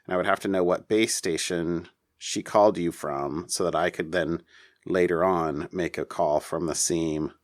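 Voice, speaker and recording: Male podcast co-host, low register, halting conversational delivery on tech news, dry acoustic. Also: steady tone, no room sound. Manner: halting, thinking aloud. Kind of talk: casual tech news discussion.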